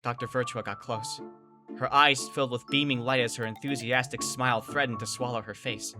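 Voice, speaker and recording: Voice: mid-range voice, fairly even intonation, brisk, music in the background, close to an everyday voice. A performer playing an anxious, wry young survivor woman, narrating and speaking in a first-person audio drama. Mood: tense, wry.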